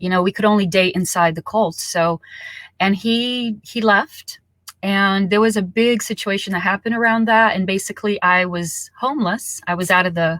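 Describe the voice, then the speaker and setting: In a Portuguese accent, a woman speaks at a medium pitch and moderate pace with fairly even intonation, on a very clean recording with a silent background. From Brazil. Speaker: astrologer. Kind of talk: interview.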